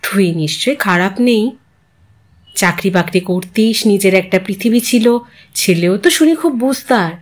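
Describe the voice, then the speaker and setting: A woman's voice: mid-range voice, expressive, unhurried. A woman voicing a talkative, content older housewife in a storybook reading, chatty, earnest and reflective. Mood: fond. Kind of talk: storybook character dialogue.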